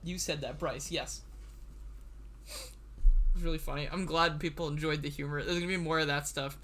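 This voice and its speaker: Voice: medium pitch, steady tone, moderate pace, pushed and bright, a little hiss or hum. A livestream host and series writer chatting casually on a computer mic, nervous, stammering and laughing often.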